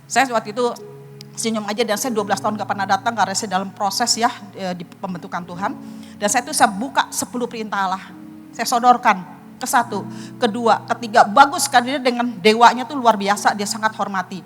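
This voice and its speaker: A woman's voice: mid-range voice, fairly quick, big-room sound, soft background music. A middle-aged woman pastor preaching a sermon and telling a personal testimony, speaking earnestly and addressing the congregation directly.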